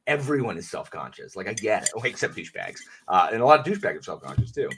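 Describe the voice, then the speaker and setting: A man's voice: on the low side, sing-song, quick pace, a bit bright, slight background noise. A man chatting casually as a guest on a live stream, rambling and self-deprecating with lots of restarts.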